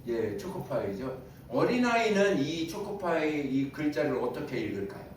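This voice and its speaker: Speaking at normal speed with a fairly high, very animated voice, a pastor gives his Sunday sermon conversationally, posing questions to the congregation and laughing occasionally. The recording, made in a church sanctuary, is very echoey and distant, with a faint hiss or hum.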